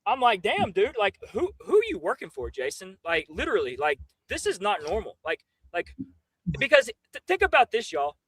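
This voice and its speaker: High-pitched, animated man on a rant. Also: moderate pace, husky, no echo, low-quality recording. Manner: emphatic, profane, slangy, incredulous. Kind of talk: animated casual livestream rant.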